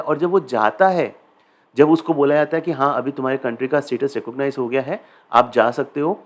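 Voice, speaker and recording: A man with an Indian accent giving a casual spiritual talk, chatty and conversational, mixing English phrases into his speech and often checking in with listeners. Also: on the high side. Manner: conversational, mixes English phrases into Hindi, often asks "ठीक है?". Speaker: spiritual teacher.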